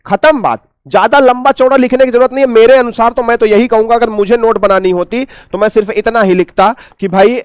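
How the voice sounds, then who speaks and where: A man's voice: very high voice, fairly even intonation, brisk, hardly any pauses, smooth, no echo. A man with an Indian accent teaching an exam-prep English lesson, explaining by asking the class questions and answering them himself.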